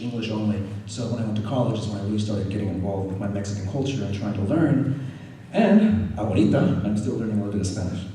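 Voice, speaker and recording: A man, a poet from Arizona, chatting casually with an audience and then reading his poems aloud at a live reading. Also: medium pitch. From Arizona, United States. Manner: relaxed chatty asides, animated when reading. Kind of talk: poetry reading. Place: poetry reading venue. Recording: roomy hall from a distance, faint noise.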